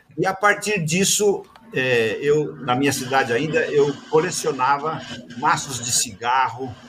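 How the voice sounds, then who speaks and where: A man speaks at a fairly slow pace, his pitch fairly high and his intonation lively. Noticeable background noise runs underneath. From Brazil, interior of São Paulo state. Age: 70s. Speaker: packaging designer and marketing consultant. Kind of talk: interview with slide presentation.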